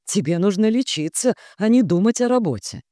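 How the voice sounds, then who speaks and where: A woman voicing a smug, hypocritical husband who talks in a smooth, placating, condescending way. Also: mid-range voice, lively intonation, brisk, mellow, no echo, studio quality, pitched above the performer's own voice, lightly acted.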